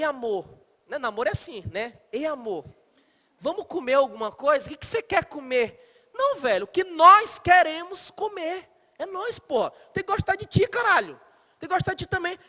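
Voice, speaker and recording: Guy teaching law, real high sharp voice, swears a lot and keeps quizzing the class, echoey room. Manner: blunt, profane, joking, asks the class questions. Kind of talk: lively classroom lecture. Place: classroom with students.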